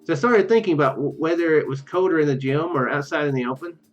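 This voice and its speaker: A man doing casual game commentary and reading visual novel text aloud, rambling, halting and often correcting himself. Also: fairly high pitch. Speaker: let's play video host. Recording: muffled lo-fi mic, music behind. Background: game music.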